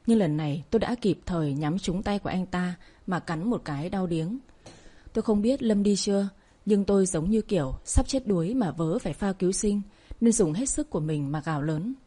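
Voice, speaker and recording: A woman narrates a first-person story in a dramatic, emotional reading. Her voice is dark and husky. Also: lowish voice.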